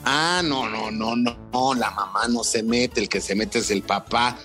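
A man co-hosting a sports podcast, pausing with fillers and asking pointed questions. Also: mid-range voice, pushed and bright, faint music behind. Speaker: podcast co-host. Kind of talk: joking sports chat.

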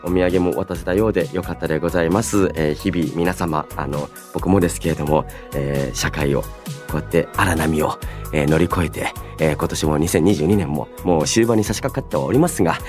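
This young radio host speaks fairly quickly in a deep voice with a darkish tone, soft music in the background. Alone on air, he chats casually and politely, musing aloud as he reads and responds to mail from listeners.

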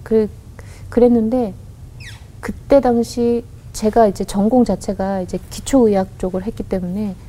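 Woman, radio interview guest, earnest, halting restarts, warm mellow tone. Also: mid-range voice, steady tone, slight background noise, poor audio. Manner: acts out quoted voices in her story. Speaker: guest, company head. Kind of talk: personal storytelling in a radio interview.

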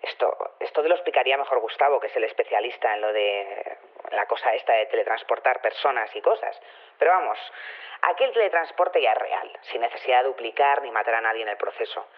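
A man's voice: mid-range voice, lively intonation, a little fast. An actor playing a chatty, self-assured male community official, rambling colloquially through a radio interview over a telephone line. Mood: casual, explanatory. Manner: rambling, colloquial, hedging with tag questions. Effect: telephone filter. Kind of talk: improvised-sounding radio phone-in interview. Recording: narrow, tinny phone line.

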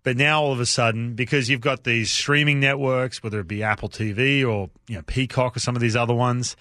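A man in a studio talks sports on the radio with a bright, sharp tone, upbeat and a bit rambling. The sound is close and dry. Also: mid-range voice, fairly even intonation, brisk, no room sound. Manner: upbeat, rambling, laughs easily. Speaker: radio co-host guest. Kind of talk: casual radio chat.

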